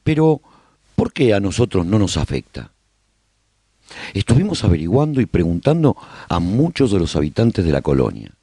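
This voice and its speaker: A low male voice with sweeping, highly animated intonation , an actor as a haunted survivor chronicling the end of the world. The delivery is theatrical and emphatic, like a reflective storyteller in a radio serial. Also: normal speed, slightly rough, dry recording, studio quality, full character voice. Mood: grave, explanatory. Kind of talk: dramatised first-person scripted narration for radio serial.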